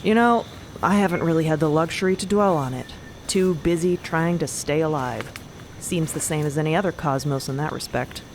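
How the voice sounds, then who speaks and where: Low-pitched, curt woman as a tough adventurer. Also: moderate pace, a little hiss or hum. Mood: dry, guarded. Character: tough, dry, unsentimental woman adventurer named Ripley.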